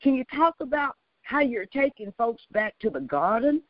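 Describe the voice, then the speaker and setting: A woman's voice: on the high side, sing-song, moderate pace, no echo, muffled recording. A woman hosting a talk radio interview, asking long flowing questions and giving frequent affirming murmurs. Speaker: host.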